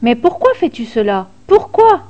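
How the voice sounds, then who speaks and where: A woman voicing an anguished young mother goddess in a storybook tale, pleading and tearful, pitched higher than her narration. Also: expressive, normal speed, a little mellow, dull audio.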